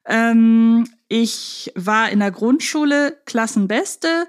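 A woman's voice: on the high side, expressive, takes it slowly, clean tone. Woman hosting a casual podcast. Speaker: podcast host. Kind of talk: casual humorous podcast chat.

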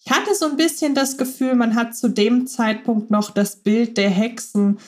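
A woman's voice: on the high side, normal speed. A woman co-hosting a fan podcast in casual chat, thoughtful, checking her notes and correcting herself. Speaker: podcast co-host.

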